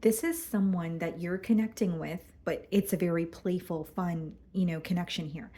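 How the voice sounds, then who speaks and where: A woman doing a casual tarot reading, going hoarse and clearing her throat as she talks through the cards with some hesitation. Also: fairly low pitch, fairly even intonation, normal speed, mellow. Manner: careful, hesitant, repeats words. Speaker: tarot reader.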